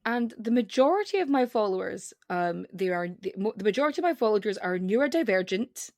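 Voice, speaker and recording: A woman guest with a regional accent on a podcast, chatting casually and rapidly, cutting herself off with fillers. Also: mid-range voice, very animated, no echo, clean studio sound. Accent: non-standard regional accent. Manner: rapid, self-interrupting, with frequent fillers.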